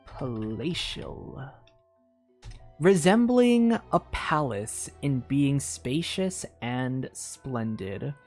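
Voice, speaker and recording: Excitable streamer chatting over game. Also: medium pitch, drawn-out words, soft background music. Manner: excitable, chatty, reads game text aloud. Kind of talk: casual live-stream commentary.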